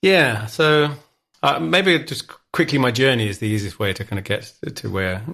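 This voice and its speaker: In a British accent, a man with a bright, sharp tone speaks at medium pitch and a moderate pace, his pitch swinging very widely. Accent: British, noticeable. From UK. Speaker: design leadership coach. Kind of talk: interview. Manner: halting.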